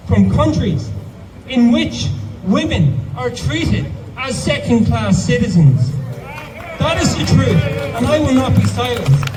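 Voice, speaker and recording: High-voiced Irish man speaking at a rally. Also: reverberant, recorded from a distance, low-quality recording. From Ireland. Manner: forceful, repeating himself, some restarts. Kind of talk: outdoor protest speech. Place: town square outdoors.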